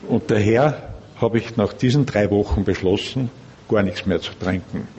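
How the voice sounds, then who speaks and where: A middle-aged or older man with an Austrian accent gives a personal testimony to a group in measured, careful standard German. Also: fairly low pitch, dark tone, lo-fi sound. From Linz, Austria. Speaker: speaker at a recovery meeting. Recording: background noise, room ambience.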